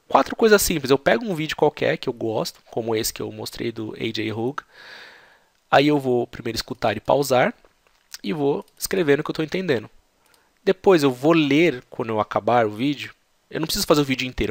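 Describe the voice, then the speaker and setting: A man's voice: medium pitch, no echo. A Brazilian Portuguese-accented man talking into a headset mic, explaining study tips step by step in a chatty, upbeat teaching vlog. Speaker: English-learning vlogger. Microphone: headset microphone.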